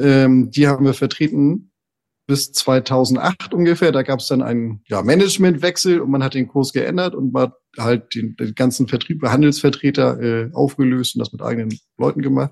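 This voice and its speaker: A man talks at a moderate pace in a medium pitch. He has a normal speaking voice. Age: 40s. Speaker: managing director of family business. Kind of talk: interview.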